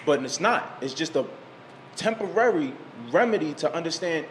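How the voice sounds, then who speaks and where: A man's voice: on the high side, expressive, normal speed, a little hiss or hum. A man in a casual group debate, insistent and repeating his phrases for emphasis.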